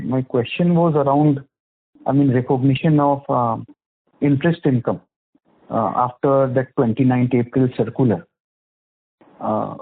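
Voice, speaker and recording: Indian guy, analyst on a conference call, bit raspy, muffled phone audio, feels his way through questions. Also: medium pitch. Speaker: financial analyst asking questions.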